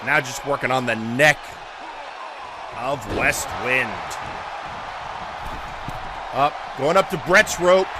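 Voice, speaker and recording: A man doing live play-by-play as a wrestling commentator, with exclamatory, drawn-out calls. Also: medium pitch, expressive. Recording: loud crowd and music behind. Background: crowd noise, music, ring thuds.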